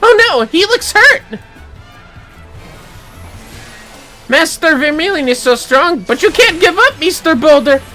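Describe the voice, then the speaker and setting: Man putting on small adoring child, very high squeal, excitable, wide-eyed, fantasy game. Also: moderate pace, faint music behind, full character voice. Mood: worried.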